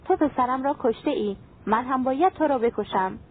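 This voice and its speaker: A woman's voice: high-pitched, breathy edge. A woman voicing an ancient, white-haired male jinn who speaks in a threatening, relentless way, over a tinny phone-like line. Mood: menacing.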